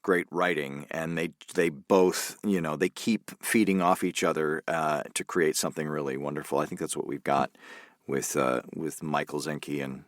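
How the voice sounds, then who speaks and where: A man, an actor guest on a podcast, talking things through thoughtfully and haltingly. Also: extremely low pitch, steady tone, no room sound, studio quality. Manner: thoughtful, halting, many fillers and restarts. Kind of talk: casual interview chat.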